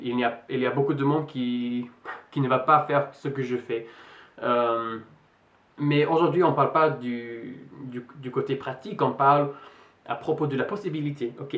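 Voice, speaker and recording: A young English man talks to camera in French, his English accent shading a little American. He hesitates often, circling back with fillers and restarts, and his voice sits at an ordinary pitch in a noticeably echoey room. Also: normal speed. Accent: English speaker in French, slightly American-tinged. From England. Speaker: vlogger. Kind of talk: casual vlog talk to camera. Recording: roomy echo.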